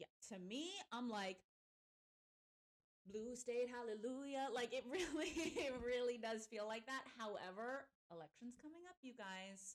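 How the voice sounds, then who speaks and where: A woman speaks loudly in a high pitch, with an animated tone and lively intonation. She goes at a fairly slow pace and leaves long, frequent pauses. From Florida. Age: 20s. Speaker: podcast co-host. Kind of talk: casual chat.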